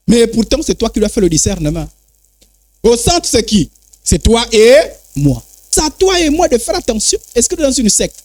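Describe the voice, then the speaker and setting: A man preaches with emphatic repetition, his voice sitting very high and leaping around as he drives his points home. The sound is close and dry, with no room echo. He falls into a call-and-response rhythm, trading phrases back and forth. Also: darkish tone. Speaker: apostle preaching. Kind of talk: sermon.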